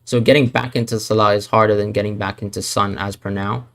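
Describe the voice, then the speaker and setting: A man's voice: fairly low pitch, fairly even intonation, brisk, a bit bright. A man from Hong Kong hosting a live Q&A stream, thinking aloud and hedging, with frequent fillers and restarts. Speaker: fantasy football streamer. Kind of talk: live Q&A stream answering chat.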